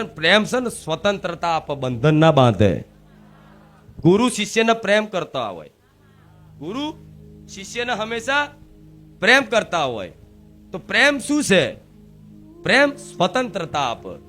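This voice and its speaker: A woman guru delivering a devotional sermon, emphatic and full of rhetorical questions, at times rising to shouts. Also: on the low side.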